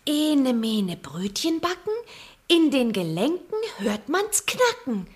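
Cheeky little witch girl, sing-song spell chant, high and lively, distant radio-play clip. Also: slow, exaggerated voice.

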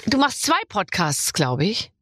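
A woman's voice: mid-range voice, very animated, unhurried, fairly bright tone, breathy edge, no room sound, clean studio sound. A woman hosting a podcast, chatting casually and telling stories with a teasing edge. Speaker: podcast host. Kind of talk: casual chat.

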